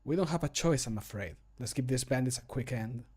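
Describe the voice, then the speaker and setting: A man voicing a grim, resolute fantasy adventurer for a video game, in measured, solemn phrases that fall away at the end. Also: mid-range voice, a little mellow, breathy edge, lightly acted. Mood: solemn regret. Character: grim, resolute male fantasy adventurer who fights bandits. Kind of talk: scripted video game voice line. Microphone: close studio microphone.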